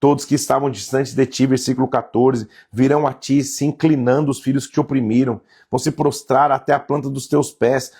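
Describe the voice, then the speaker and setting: A man's voice: mid-range voice, fairly even intonation, a little fast, hardly any pauses, mellow, breathy edge. A man reading Bible passages aloud and explaining them in a casual, conversational way. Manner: reads verses aloud, then comments in a casual tone. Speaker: Bible teacher.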